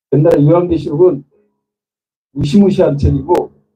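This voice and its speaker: The speech moves at a moderate pace with fairly even intonation. Music plays in the background. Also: man. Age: 60s. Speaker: church leader. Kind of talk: sermon-style talk to congregation.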